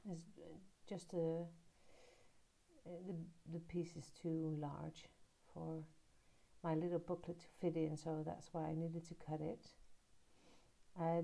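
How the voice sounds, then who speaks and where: A woman talks slowly through a voiceover of her crafting, in a low, gravelly voice with a dark, mellow tone. She rambles in a relaxed way, pausing often and filling the gaps with small hesitations. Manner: relaxed, rambling, with many pauses and fillers. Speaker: art journaling creator. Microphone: voiceover recorded at her laptop.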